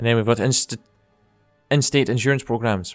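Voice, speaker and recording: With a Scottish accent, the speaker talks at a very fast pace on a very clean recording with a silent background. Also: man. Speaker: gaming YouTuber. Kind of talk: reading aloud; casual gameplay commentary.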